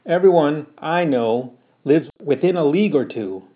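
A man's voice: a little high, lively intonation, moderate pace, close to an everyday voice. A man doing a fierce scolding country mother. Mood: scornful. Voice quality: rustic dialect, sharp scolding. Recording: tinny phone-like sound.

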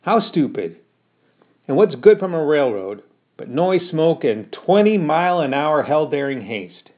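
A man's voice: a little high, sing-song, unhurried. A man voicing a blunt, scolding older country mother who talks in rustic dialect. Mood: scornful. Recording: tinny phone-like sound.

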